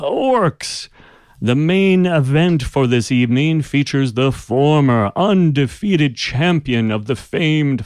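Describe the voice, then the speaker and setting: A man acting as game master, voicing a booming male arena announcer who calls out fighters with loud, drawn-out showman calls. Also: no echo, studio quality.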